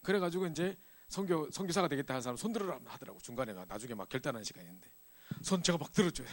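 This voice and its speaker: A middle-aged man preaching to a church youth group, telling a personal story in a lively, animated way. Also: fairly high pitch, rapid-fire. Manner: animated storytelling, acts out scenes. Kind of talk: sermon with personal testimony.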